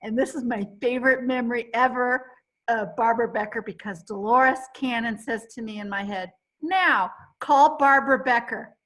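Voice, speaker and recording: A woman hosting a chat, telling a long story in an animated, rambling way with many restarts. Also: a little high, fairly quick. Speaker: host.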